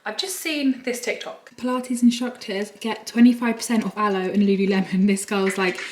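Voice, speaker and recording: A woman's voice: medium pitch, fairly even intonation, normal speed, a little mellow. A British woman in her twenties chatting casually to camera in a bubbly, gushing, girly way, as a vlogger. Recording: distant mic, faint background noise.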